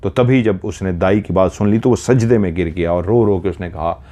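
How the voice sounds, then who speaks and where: A man's voice: low-pitched, moderate pace, mellow. A man with a Pakistani Urdu accent narrating a horror story dramatically, voicing each character himself.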